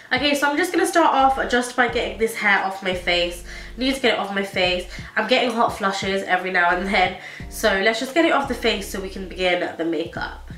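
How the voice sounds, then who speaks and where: A young woman talks through her makeup routine with a blocked, stuffy nose, chatty and gushing. Her voice is bright and a little sharp. It sounds roomy, picked up from a short way off the mic. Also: mid-range voice, far from the mic. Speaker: beauty vlogger. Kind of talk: casual makeup tutorial chat. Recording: echoey room, a bit off mic.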